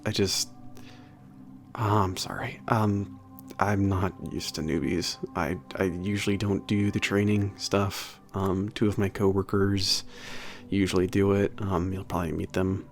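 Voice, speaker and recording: A man playing a big, burly, soft-hearted werewolf maintenance trainer in an ASMR roleplay, talking to the listener in a halting, casual, sweary and earnest way. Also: sits low, flat delivery, gravelly, faint music behind. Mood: apologetic, encouraging. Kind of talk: ASMR roleplay audio drama, spoken to the listener.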